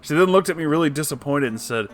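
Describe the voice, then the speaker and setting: A man hosting a story-reading channel, reading online posts aloud and adding animated, casual, joking asides. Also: a little high, quick pace, faint music behind. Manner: animated, jokey, informal asides.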